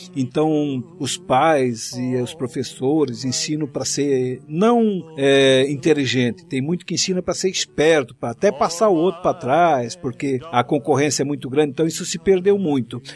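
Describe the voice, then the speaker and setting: A man talks at a moderate pace with a fairly high pitch and ordinary pitch variation. Noticeable background noise runs under his voice. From Blumenau, Santa Catarina, Brazil. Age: 60s. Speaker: podcast guest, host's father. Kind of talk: casual chat.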